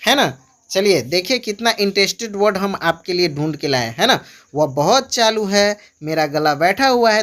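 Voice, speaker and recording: A man runs a relaxed online English class. He speaks in a chatty, coaxing way and stretches out each example phrase slowly so viewers can repeat it. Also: high voice. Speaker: English tutor. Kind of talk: casual online teaching.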